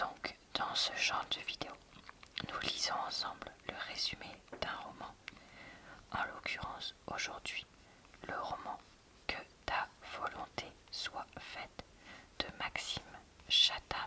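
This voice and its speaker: A whispered voice moves at a very slow pace with long, frequent pauses over noticeable background noise. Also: woman. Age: 30s. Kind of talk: ASMR book review talk to camera.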